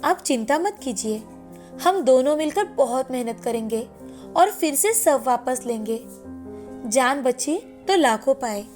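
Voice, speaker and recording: Woman voicing a devoted cartoon village wife, earnest, pleading, high-pitched, faint music. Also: animated, unhurried, darkish tone. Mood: comforting.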